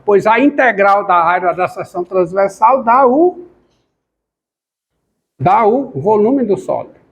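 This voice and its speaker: Lecturer, male, high voice; works through the board aloud, asks the class the same question over and over. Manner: repeats questions to the class, talks while writing. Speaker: math lecturer.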